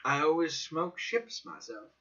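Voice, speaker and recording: A man's voice: on the high side, expressive, unhurried, sharp tone, pitched above the performer's own voice. A man voicing a curious, courteous former army doctor who is easily impressed, in a dramatic audiobook reading. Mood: polite, candid. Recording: dull, slightly lo-fi recording.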